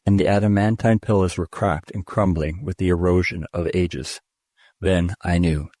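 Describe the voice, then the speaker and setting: Deep-voiced man reading science fiction. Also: dry recording, studio quality. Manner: steady, measured first-person storytelling. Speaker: audiobook reader. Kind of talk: scripted narration of a classic science fiction story.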